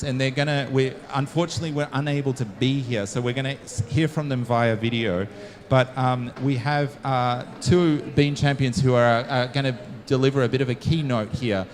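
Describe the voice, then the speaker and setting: A man giving casual spoken remarks as host of a launch event, halting with many fillers and restarts. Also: medium pitch. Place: conference room.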